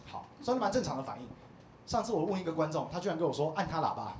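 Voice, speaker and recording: A man in his thirties performing a stand-up comedy set, telling stories in an animated way and acting out the people in them. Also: on the high side, racing. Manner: animated storytelling, acts out quoted voices. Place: small comedy club stage. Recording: echoey comedy club with faint noise.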